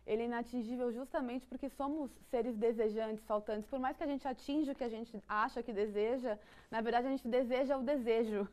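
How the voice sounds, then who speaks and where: A woman with a Brazilian Portuguese accent talks through ideas in a relaxed conversation. Her voice sits a little high, and she pauses and restarts often as she thinks. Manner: thoughtful, many restarts and fillers, laughs lightly. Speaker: psychology guest. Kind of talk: conversational explanation.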